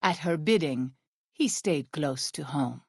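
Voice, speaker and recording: A woman voicing a gentle, earnest tribal healer in a video game, speaking in formal, measured phrases. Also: deep voice, animated, husky, dry recording, clean studio sound, heavily acted. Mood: somber, subdued. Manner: formal, measured, careful phrasing without slang. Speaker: video game companion character and ending narrator. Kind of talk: scripted video game voice acting. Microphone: close studio microphone, dry.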